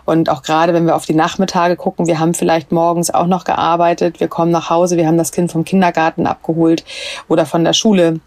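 A woman's voice: on the low side, completely flat delivery, quick pace, darkish tone, no room sound. A woman in her thirties co-hosting a casual parenting podcast, explaining her points with everyday examples. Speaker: podcast co-host.

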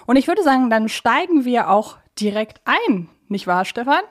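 A woman's voice: on the high side, big pitch swings, normal speed. A young adult woman with a German accent hosting a casual podcast, explaining things in wordy, self-correcting loops. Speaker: podcast host.

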